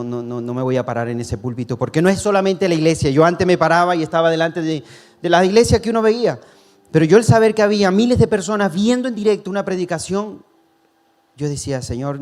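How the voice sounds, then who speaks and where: In an earnest, personal sermon testimony, a man tells his story to the congregation, calling them brothers and chuckling now and then. His voice is medium in pitch and a little mellow.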